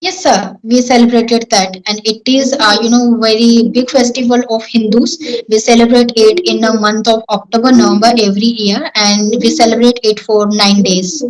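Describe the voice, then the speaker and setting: A woman's voice: on the high side, fairly even intonation, normal speed, few pauses, low-quality recording. A young woman from Rajasthan with an Indian accent, a Marwari speaker answering questions on an English practice call, with careful, rehearsed sentences and fillers. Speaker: English learner. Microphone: online call.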